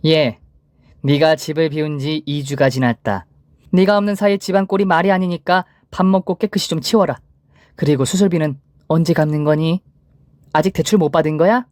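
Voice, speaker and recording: A man's voice: on the high side, steady tone, moderate pace, a little mellow, dry recording, clean studio sound, lightly acted. A man voicing a cold, stingy older mother-in-law who talks in a curt, scolding way. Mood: cold, demanding.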